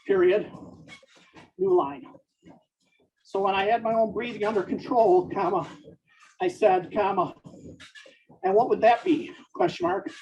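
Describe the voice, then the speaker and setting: A writer reads a story out slowly, phrase by phrase, saying each comma and period aloud. The voice sits at a middling pitch and comes from some way off the microphone. The sound is dull and muffled. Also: a little mellow. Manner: slow, deliberate, pausing between phrases. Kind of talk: dictating fiction aloud with spoken punctuation. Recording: dull, distant mic.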